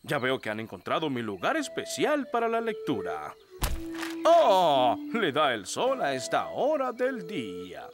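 A man's voice: on the high side, wildly swooping pitch, a little slow. A man voicing a friendly, easygoing elf father in a cartoon dub, with a Latin American Spanish accent. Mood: cheerful, relaxed.

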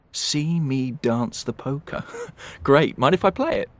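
A young English medium in an audio thriller. His medium-pitched voice moves about with lively swings. He is breezy and cheeky, always probing. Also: slow. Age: young adult. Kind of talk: audio drama acting. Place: studio booth. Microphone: studio condenser with pop filter.

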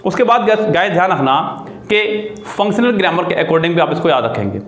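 A man with a somewhat high voice and big pitch swings teaches a grammar video lesson at a moderate pace, classroom style. He keeps questioning his students and spells words out letter by letter, while a bare-room echo colors the recording.

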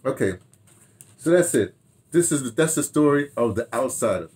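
A man's voice: medium pitch, expressive, normal speed, a little mellow. An older man reminiscing casually to camera, rambling and repeating phrases as he talks half to himself. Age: older, 60s or 70s. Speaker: radio drama director and producer reminiscing. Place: furnished room at home, indoors.

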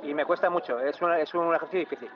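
Fast-talking jokey man. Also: fairly high pitch, lo-fi sound, a crowd in the background. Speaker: interviewee. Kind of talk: casual chat.

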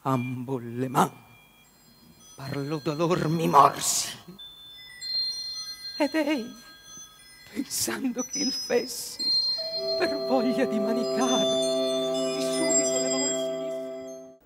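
A man's voice: high voice, expressive, drawn-out words, long pauses, full character voice. A man playing an anguished damned soul, reciting old verse on stage in a dramatic style. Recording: stage recording with long reverb, music.

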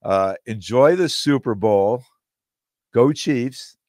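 A middle-aged man hosting his solo podcast, talking in a rambling way with restarts and repeated words, his voice a little hoarse. He speaks close into a studio mic on a boom arm. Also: expressive, slow pace, a little mellow, no echo. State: slightly hoarse, losing his voice. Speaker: podcast host. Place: small room with green-screen backdrop. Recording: dry close-miked sound.

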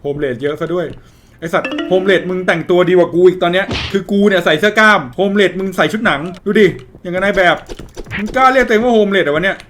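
A man commentating a horror game, swearing freely and reacting loudly. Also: high voice, fast, faint music behind. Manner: crude, swearing, excitable reactions.

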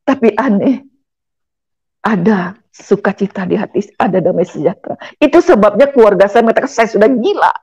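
A middle-aged woman from Indonesia tells her life story as a church testimony. She speaks earnestly and often turns to her listeners directly, and her voice has a gravelly edge. The sound is dry and close. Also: mid-range voice, warm tone, no room sound, lo-fi sound. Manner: earnest, keeps addressing listeners as brothers and sisters. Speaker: guest giving a testimony.

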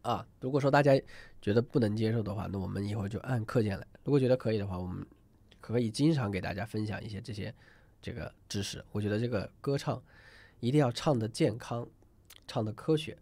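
In a dry recording, a man with a fairly low, darkish voice speaks at a fairly quick clip. He's lecturing a live online singing class in a loose, talkative way, restarting often and filling gaps with fillers, and he regularly has students type numbers in the chat.

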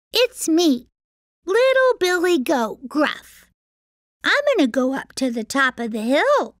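A woman's voice: high voice, no room sound, studio quality, pitched above the performer's own voice, exaggerated voice. A woman voicing a small, cute young billy goat in a sweet, pleading tone.

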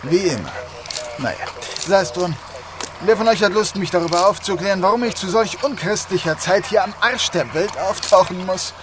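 Sarcastic grumpy cop in a crime radio play, voice a bit high and all over, noisy outdoors. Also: male voice, expressive, normal speed. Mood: grumbling. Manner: sarcastic, dry. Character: grumpy, sardonic male police detective inspector. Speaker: actor in a crime audio drama.

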